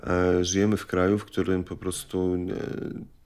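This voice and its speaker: A man's voice: low-pitched, monotone, a little slow, a little mellow, clean tone. A man giving informal, opinionated commentary, thinking aloud and posing rhetorical questions.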